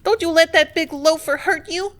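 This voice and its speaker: A woman voicing an excitable young working girl who gushes in plain country speech. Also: a little high, measured pace, voice pushed up. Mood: frantic.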